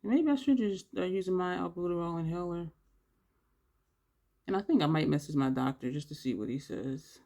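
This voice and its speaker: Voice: mid-range voice, animated, normal speed, creaky, warm tone. A beauty vlogger chatting casually through a makeup tutorial, thinking aloud as they work, sounding congested with audible breaths between phrases. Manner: rambling, thinks aloud while working.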